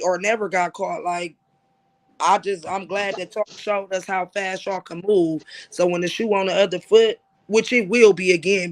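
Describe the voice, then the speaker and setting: High-voiced man ranting on a livestream. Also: low-quality recording. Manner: emphatic, profane, repeats "like I said". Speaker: livestream host. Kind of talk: casual livestream talk.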